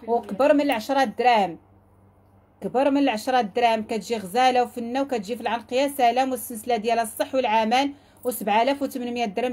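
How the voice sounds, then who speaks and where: Fast-talking Moroccan woman selling jewelry. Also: a little high. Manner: repetitive, enthusiastic exclamations. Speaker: jewelry seller. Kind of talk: live sales pitch.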